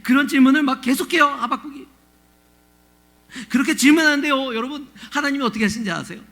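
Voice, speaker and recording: A male pastor preaching with a strikingly high, gravelly voice and a bright, forceful tone. He talks to the congregation conversationally, often asking them questions. He swings into emotive, pleading delivery when he acts out biblical cries. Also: fast. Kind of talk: sermon.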